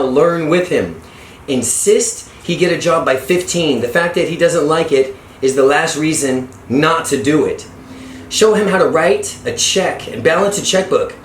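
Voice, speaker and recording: A middle-aged man reading a self-help book aloud as a father to his son, with encouraging asides and some stumbled, repeated lines. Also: on the high side. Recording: echoey room with background noise.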